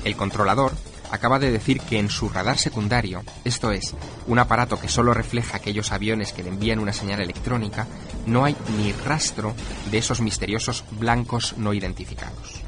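A man reading scripted documentary narration with measured, dramatic emphasis. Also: lowish voice, noisy background. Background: music.

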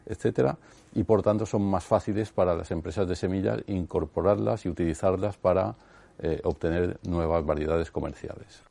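A man's voice: deep voice, normal speed, gravelly, mellow, no room sound. A man, the director of a research centre, answering interview questions hesitantly, with frequent fillers.

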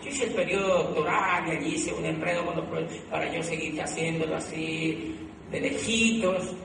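Colombian guy, middle-aged, animated storytelling, heard from far off in a noisy hall. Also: on the high side, moderate pace, vocal fry. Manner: animated, repeats phrases, laughs at himself. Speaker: motivational speaker. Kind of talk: live motivational storytelling.

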